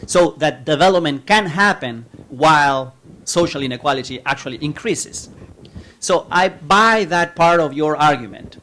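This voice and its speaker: A man from Chile asking a long question from the audience at an academic talk, speaking in a measured way with frequent fillers. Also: fairly high pitch, lively intonation, bright, forceful tone.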